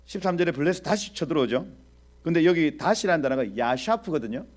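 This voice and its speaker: A man teaching a Bible exposition in an animated preaching style, speaking directly to his audience and acting out scenes. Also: on the high side, fast talker. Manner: animated, acts out quoted dialogue.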